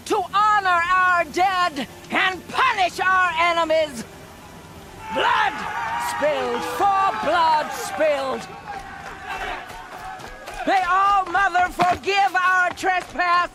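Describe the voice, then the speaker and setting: A woman's voice: extremely high pitch, extremely slow, heavily acted. Stern female war chief, commanding, solemn, declamatory, tribal, video game dialogue. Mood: rousing, vengeful.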